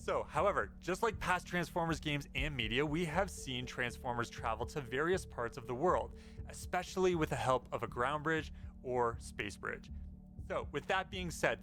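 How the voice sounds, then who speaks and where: A man's voice: mid-range voice, a bit bright, a little hiss or hum. A man hosting an informal video commentary on game news, speaking as a narrator over his footage. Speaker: gaming news YouTuber, host. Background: background music.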